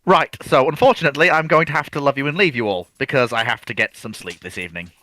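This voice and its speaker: A man chatting casually as a panelist, halting and correcting himself as he goes. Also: mid-range voice, pushed and bright, poor audio. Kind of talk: casual chat.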